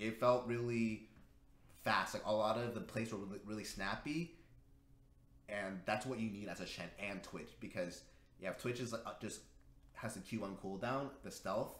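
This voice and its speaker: Delivered at a moderate pace with long, frequent pauses, the speech has fairly even intonation and audible room echo. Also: man, fairly low pitch for a man. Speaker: esports analysis show host. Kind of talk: casual esports analysis chat. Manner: mumbling.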